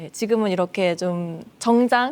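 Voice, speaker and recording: An ordinary speaking voice talks at a fairly slow pace with lively intonation, in a very clean recording with a silent background. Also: woman. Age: 20s. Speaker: marathon runner and running advocate. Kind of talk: casual conversation.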